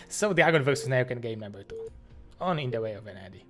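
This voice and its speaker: A man's voice: medium pitch, sing-song, music in the background. Polish man co-casting a game. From Poland. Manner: halting, repeats words, non-native phrasing. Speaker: co-caster. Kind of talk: esports commentary.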